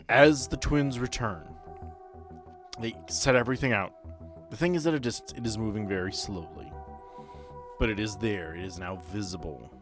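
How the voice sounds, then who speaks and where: A man acting as game master, narrating a tabletop role-playing story deliberately, in short dramatic phrases. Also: on the low side, music in the background.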